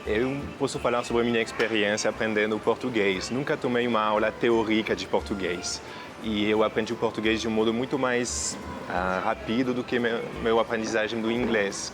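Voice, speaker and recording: A French man with a clear French accent, speaking Portuguese as a learned language, hesitant and thoughtful. His voice is on the low side, with clear background music running under him. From France. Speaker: interviewee. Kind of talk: casual interview testimony.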